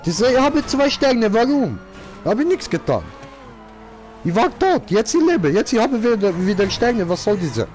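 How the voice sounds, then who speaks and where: A man's voice: fairly high pitch, animated, measured pace, darkish tone. A young man playing a boastful, car-loving character who speaks in broken grammar and keeps repeating the same filler word, commenting on a game. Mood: indignant.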